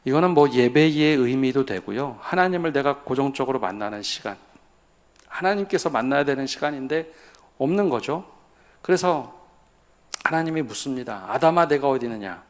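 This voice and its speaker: A man's voice: medium pitch, lively intonation, normal speed. A male pastor preaching at a midweek church prayer service, often putting questions to the congregation and then answering them himself. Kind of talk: sermon.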